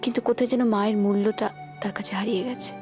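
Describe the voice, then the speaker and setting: An actress playing a weary young woman stuck in a hospital bed, speaking quietly and sadly with a Bengali accent. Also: medium pitch, steady tone, very fast, faint music behind, natural voice. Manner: quiet, subdued, melancholy speech. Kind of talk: TV serial drama acting.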